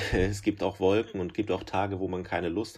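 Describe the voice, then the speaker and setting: In a very clean recording with a silent background, a man with a fairly low pitch talks at a moderate pace. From Germany, Palatinate (Neustadt an der Weinstraße). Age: 30s. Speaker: concert pianist and composer. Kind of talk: interview.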